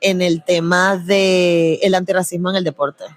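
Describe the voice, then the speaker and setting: A woman's voice: fairly low pitch, level tone, moderate pace, a loud crowd. Chatty Venezuelan woman guest. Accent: Venezuelan Spanish. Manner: chatty, laughs often, uses slang. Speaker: guest, producer and antiracism content creator. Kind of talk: casual conversational interview.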